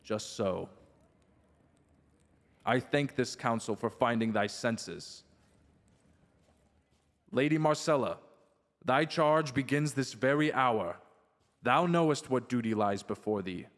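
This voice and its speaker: A voice rings through a long, echoing hall. It is a man performing a stern fantasy king of middle pitch, grave and commanding, a protective father who speaks in formal, archaic phrases. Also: takes it slowly, long pauses, lightly acted. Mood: authoritative. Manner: formal archaic speech, solemn and authoritative. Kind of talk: fantasy audio roleplay acting.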